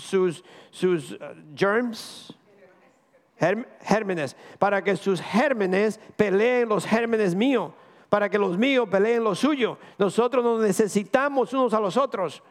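A man's voice: sits high, big-room sound. A male pastor from the Caribbean preaching a sermon to his congregation, posing rhetorical questions and restarting phrases as he goes.

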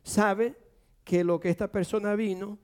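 Man, pastor, sermon with questions to the congregation, quick lively delivery, fairly high voice. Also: clear, resonant tone. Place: church service.

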